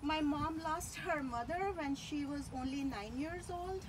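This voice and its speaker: A woman delivering a personal eulogy in a tender, reverent, faltering manner, breaking her speech into short halting phrases. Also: sits high, noisy background. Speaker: daughter giving a eulogy.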